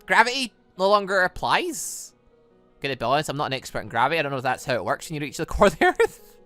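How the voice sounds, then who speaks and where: A gaming channel host does chatty let's play commentary on a visual novel, voicing the dialogue and packing in exclamations and reactions. The voice is medium in pitch, sing-song, quick and a bit bright, with soft music in the background.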